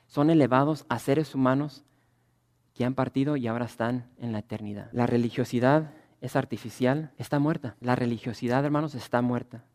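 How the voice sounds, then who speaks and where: A man preaching a sermon, rising to loud emphatic swells and dropping to quiet passages. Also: mid-range voice, fairly quick. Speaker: pastor.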